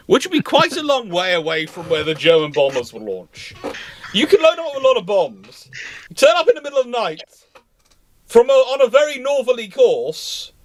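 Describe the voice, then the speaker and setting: A man's voice: high-pitched, a bit bright. A man hosting a casual live discussion with technical commentary, emphatic and often repeating words as he thinks. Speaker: host of a live naval history discussion.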